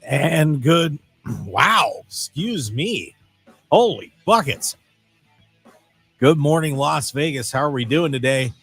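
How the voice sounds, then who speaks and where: A man hosting a radio show in casual, rambling chat, his voice a little raspy and strained. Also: fairly high pitch, slow, long pauses, soft background music. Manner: chatty, excitable, rambling. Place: radio studio.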